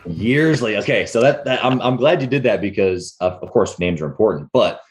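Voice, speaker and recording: A man's voice: on the low side, animated, a little fast, soft background music. A man hosting an interview podcast in a very informal, slangy, buddy-to-buddy way. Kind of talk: casual interview chat.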